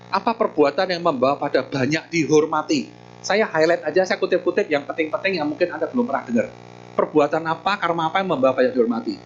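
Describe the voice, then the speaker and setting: A man's voice: a little high, lo-fi sound, slight background noise. Chatty man preaching a storytelling sermon. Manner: lively, chatty, with frequent tag questions. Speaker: Buddhist preacher.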